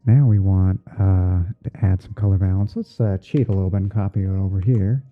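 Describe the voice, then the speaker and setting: A man hosting an ASMR livestream, narrating his editing step by step in an unhurried way, as if murmuring to himself while he works. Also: low voice, steady tone, soft background music. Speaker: streamer hosting a roleplay. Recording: muffled phone-like band-limited audio.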